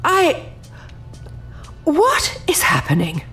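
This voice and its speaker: A woman's voice: sits high, huge pitch swings, extremely slow, a bit bright, faint music behind, heavily acted. A woman playing a proud, formal, defensive overseer of an infernal project in an audio drama, with haughty, precise diction. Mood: taken aback.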